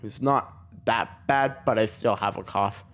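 Commenting casually on the game he is playing, a young man on a gaming channel keeps up a rambling, self-mocking patter with frequent chuckles. He has a sore throat and a slight cough, and his lowish, fairly bright voice moves at a measured pace.

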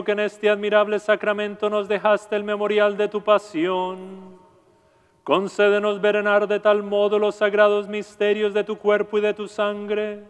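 Solemn priest in a reverberant chapel. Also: male voice, sits high, clean tone. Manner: solemn, measured, intoning. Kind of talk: liturgical prayer at Mass. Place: large stone chapel. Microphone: lapel mic. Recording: long reverb of a stone chapel.

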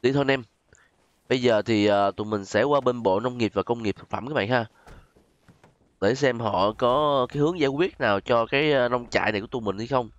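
A man with a Southern Vietnamese accent hosts a gaming video in a casual, conversational way. His medium-pitched voice talks straight to the viewers. The sound is dry and slightly dull, like a lo-fi voice-over. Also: a little fast, dry recording. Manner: conversational, addresses viewers directly with frequent tag particles. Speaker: gaming channel host. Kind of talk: casual game role-play commentary.

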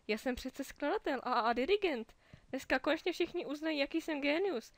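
A woman's voice: high-pitched, animated, dry recording, pitched above the performer's own voice. A woman voicing a fussy, self-important male crab who composes for a royal court, speaking in anxious exclamations. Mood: fretful, proud.

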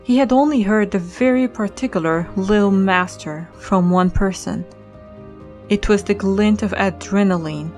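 A woman's voice: mid-range voice, a little slow, a little mellow. A woman reading scripted story narration as the narrator of an audio drama. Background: music.

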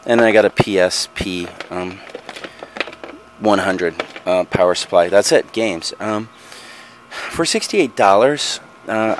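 Low-voiced man rambling about his finds. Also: a bit bright, slight background noise. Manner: rambling, frequent ums and self-corrections. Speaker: vlogger showing resale finds. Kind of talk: casual show-and-tell narration. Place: outdoors in a backyard patio.

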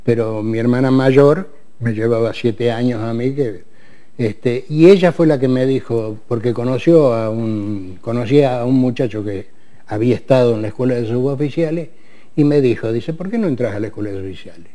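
A man in his eighties with an Argentine Spanish accent, a guest on a TV studio interview, talking in a halting way with many fillers and restarts. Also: mid-range voice, mellow. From Córdoba, Argentina. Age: 80s. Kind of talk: casual interview. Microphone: lapel.

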